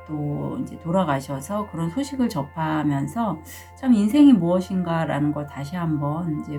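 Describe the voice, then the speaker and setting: A middle-aged woman with a cold-roughened voice, chatting casually through a tarot reading with small laughs and fillers. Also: fairly low pitch, warm tone. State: sore throat from a cold. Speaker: tarot reader.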